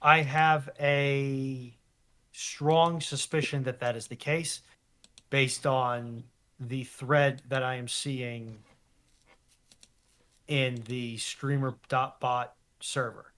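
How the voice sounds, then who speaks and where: A man from the United States co-hosting a live stream, casually explaining technical matters in a halting, deliberate way. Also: medium pitch, level tone, a bit bright.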